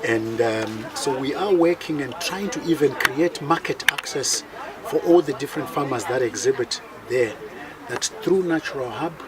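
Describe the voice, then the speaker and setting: A man's voice: mid-range voice, expressive, moderate pace. A man gives an outdoor product demonstration, steadily listing nutrients and uses. He is picked up from a distance, and a crowd murmurs all around. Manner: explanatory, lists nutrients. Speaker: exhibitor presenting food products.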